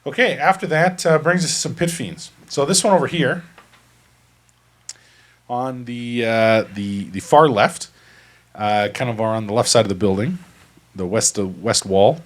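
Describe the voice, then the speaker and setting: Guy gm walking players through combat, steady, explains a lot. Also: mid-range voice, measured pace, pauses often. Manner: methodical, explanatory. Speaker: game master. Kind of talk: narrating a tabletop game.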